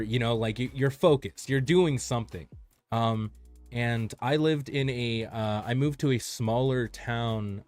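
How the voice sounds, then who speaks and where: A man's voice: mid-range voice, a little mellow. Easygoing, encouraging man from the LA area. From Los Angeles area. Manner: easygoing and encouraging, with many fillers. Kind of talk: casual chat and storytelling.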